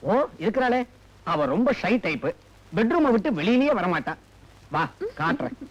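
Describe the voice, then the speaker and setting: A smug, leering villain professor. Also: male voice, high voice, very animated, normal speed, highs cut off. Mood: sly. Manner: sly, mocking and leering. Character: smug predatory male professor, middle-aged, scheming villain. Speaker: lecherous college professor. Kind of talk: 1980s Tamil film dialogue. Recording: film soundtrack with music behind.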